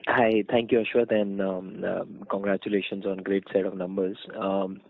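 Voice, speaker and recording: A man's voice: deep voice, level tone, moderate pace, gravelly. A man speaking as a financial analyst on a conference call, politely asking rambling, hesitant questions. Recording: tinny phone line.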